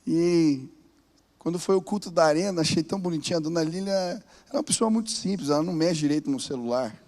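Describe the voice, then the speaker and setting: A man, a pastor telling stories in a sermon, animated and rising into fervent exhortation. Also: on the high side, fast talker. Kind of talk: storytelling sermon. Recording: long reverb of a large hall.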